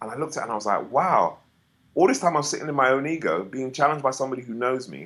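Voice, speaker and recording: A man talks at a very fast pace in a medium pitch. His tone is animated, bright and sharp. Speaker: business speaker and coach. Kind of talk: podcast interview. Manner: loud.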